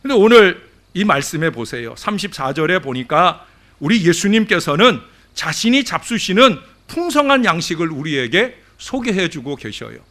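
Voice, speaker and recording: A male pastor delivering a Sunday sermon at a church service, speaking straight to his congregation. His voice sits a bit high, and its pitch leaps and falls in lively, emphatic swings. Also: moderate pace. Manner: animated preaching, addresses the congregation directly.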